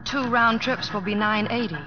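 A woman's voice: on the high side, moderate pace, close to an everyday voice. A woman playing a sensible, direct young small-town American woman in a radio drama. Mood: reproving. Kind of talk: 1950s radio drama acting. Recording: dull old radio recording with music.

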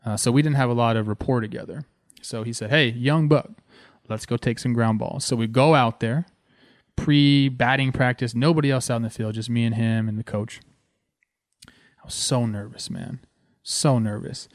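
A man in his thirties from Southern California, a former ballplayer and host, telling stories in an excited, casual way. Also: moderate pace, dry recording, studio quality. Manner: excited, animated, talks with fillers like "man" and "boom". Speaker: former ballplayer hosting a show. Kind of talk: casual storytelling.

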